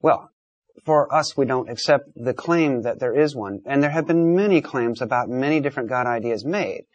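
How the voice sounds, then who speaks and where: Male talk show host, mid-pitched, dry close studio sound, emphatic, didactic, unscripted debate. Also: normal speed, no echo, muffled recording.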